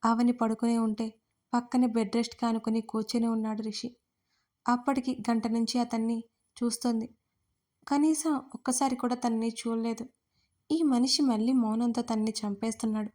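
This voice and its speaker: A woman storyteller giving scripted narration of a romance story in an even, steady reading. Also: on the high side, normal speed.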